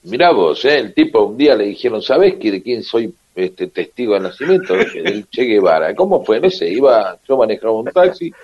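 A man's voice: fairly low pitch, big pitch swings, normal speed, few pauses, darkish tone, husky, muffled recording. A man with an Argentine accent hosting a radio show in a wry, joking way. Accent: Argentine Spanish. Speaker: radio host. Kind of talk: casual radio chat.

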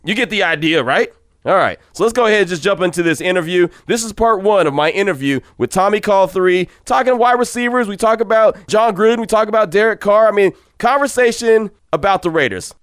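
A man in his early forties talks at a fast clip on a sports podcast, in a dry, close recording. His voice sits a little high for a man, and he addresses listeners casually, with plenty of slang. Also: dry recording. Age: early 40s. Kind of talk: casual solo podcast talk with host-read ads.

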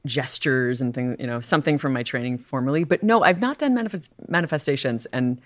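A woman in her thirties from Michigan, a guest on a casual chat podcast, playful and animated. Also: rumbling low, a little fast.

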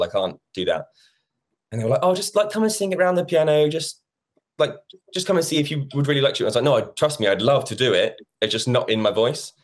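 A man talks in a relaxed, chatty way, slipping into little quoted exchanges as he tells his story. He is in his thirties, and his voice sits on the low side. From England. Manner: chatty, acts out quoted conversations. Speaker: musical theatre actor, guest. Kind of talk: casual interview chat.

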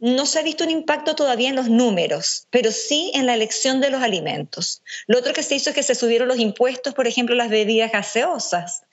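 A woman's voice: a little high, lively intonation. Woman with a mixed Venezuelan-Chilean accent. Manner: measured, structured, lists points. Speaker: nutrition expert guest. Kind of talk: explanatory interview answers. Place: speaking remotely from home.

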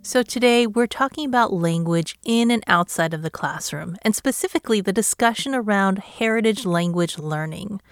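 A woman hosting a podcast, presenting her segments and guests in a clear, friendly, even manner. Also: mid-range voice, moderate pace, hardly any pauses, no echo. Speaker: podcast host. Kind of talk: scripted podcast narration and interview. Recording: loud music bed under voice.

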